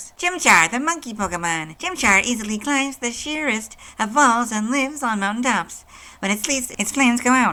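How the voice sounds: A man's put-on character voice at an extremely high pitch, with lively intonation and a moderate pace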